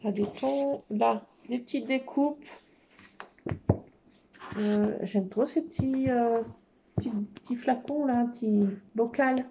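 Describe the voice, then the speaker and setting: A woman's voice: a little high, slow pace, gravelly, long pauses, dark tone, slight background noise. A woman showing off scrapbooking paper in casual chat, enthusiastic and full of fillers. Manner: enthusiastic, many fillers, repeats "trop beau". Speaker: scrapbooking crafter. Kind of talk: casual show-and-tell of craft paper.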